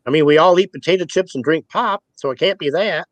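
A man's voice: fairly high pitch, fairly quick, no echo. A man in his sixties being interviewed, talking in a rambling, folksy way and chuckling between points. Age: 60s. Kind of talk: casual spoken interview.

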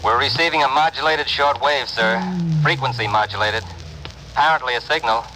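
A man's voice: mid-range voice, brisk, sharp tone, slight background noise, close to an everyday voice, low-quality recording. An actor playing a terse male crew officer reporting over the intercom in a radio drama. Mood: brisk.

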